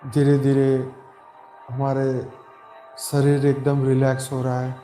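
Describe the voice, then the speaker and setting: A man speaking as a meditation guide, calm and soothing, giving slow, repetitive instructions with long pauses in Hindi. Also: medium pitch. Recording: roomy echo with background music. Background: meditation music.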